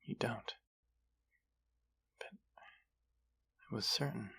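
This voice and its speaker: A man acting an earnest, gently wry thousand-year-old immortal in an intimate audio roleplay, speaking in a hesitant, confiding way. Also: medium pitch, slow, vocal fry, slightly rough, whispered, exaggerated voice. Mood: hesitant confession. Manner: hesitant, confessional, softly reassuring.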